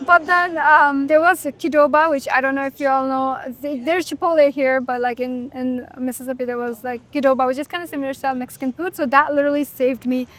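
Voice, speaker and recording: A young woman from Nepal, a software engineer guest, talking in an easygoing way with lots of "like" and "you know". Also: sits high, steady tone, fairly quick, hardly any pauses. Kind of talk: casual interview chat.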